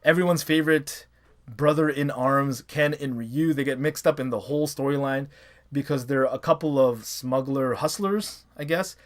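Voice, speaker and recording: A man's voice: mid-range voice, moderate pace, slight background noise. A man hosting a casual movie review vlog, talking enthusiastically and rambling a little. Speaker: host.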